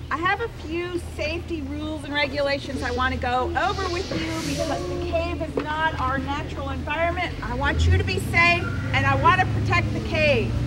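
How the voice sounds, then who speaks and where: Over crowd noise in the background, a woman talks at a moderate pace with hardly any pauses. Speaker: park ranger tour guide. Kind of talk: tour guide safety briefing. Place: forest. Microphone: camera far.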